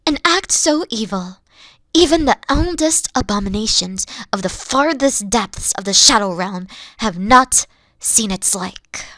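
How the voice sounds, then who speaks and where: A woman's voice: mid-range voice, animated, unhurried, fairly bright tone, no room sound, low-quality recording. A woman playing a dorky, theatrical evil queen who is secretly sweet, talking pompously and then slipping into casual speech in a comedic audio roleplay. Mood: grandiose, commanding. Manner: grandiose, pompous villain talk slipping into casual dorkiness. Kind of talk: comedic character roleplay monologue.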